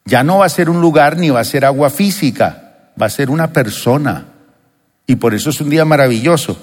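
A man's voice: a little high, animated, brisk. A male pastor preaching with emphasis, asking his congregation question after question. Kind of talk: sermon. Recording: long reverb of a church hall.

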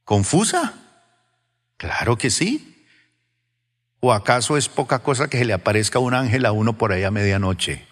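A pastor preaching to his congregation, dramatic and questioning, going from loud exclamations to hushed whispers. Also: mid-range voice, lively intonation, moderate pace, long pauses, big-room sound. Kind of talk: sermon. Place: church.

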